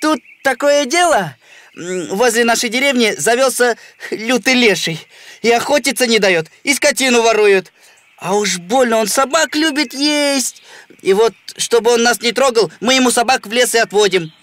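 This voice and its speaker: A man's voice: extremely high pitch, lively intonation, normal speed, fairly bright tone. A man playing a timid, guilty villager in a folk-tale cartoon, hesitant and apologetic. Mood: sheepish. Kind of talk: animated folk-tale character acting. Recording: music behind the voice.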